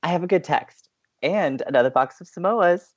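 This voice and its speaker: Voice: mid-range voice, normal speed, no room sound, lo-fi sound, natural voice. An actor playing a playful, sociable college radio co-host who banters earnestly and teasingly with theatrical emphasis.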